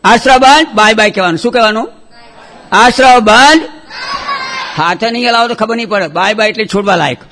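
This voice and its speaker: Man with a very high voice leading kids through call and response chants, crowd murmur and some noise behind. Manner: chants terms loudly with hand gestures, then scolds softly and quickly. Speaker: religious teacher of children.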